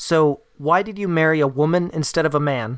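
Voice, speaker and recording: In a very clean recording with a silent background, a man speaks in a normal speaking voice. His pitch is fairly high, with ordinary pitch variation. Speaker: podcast host interviewer. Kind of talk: casual comedic interview.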